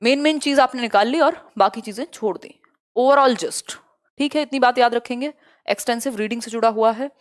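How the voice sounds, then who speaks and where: A young woman with a slightly high voice teaches English pedagogy in a live online class, mixing Hindi and English. She often checks that her students are following and reads definitions out slowly.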